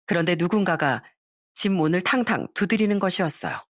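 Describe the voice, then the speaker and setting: A woman's voice: on the low side, fairly quick, no echo. Woman narrating a story, dry sound. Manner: even, storytelling. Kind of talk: scripted narration.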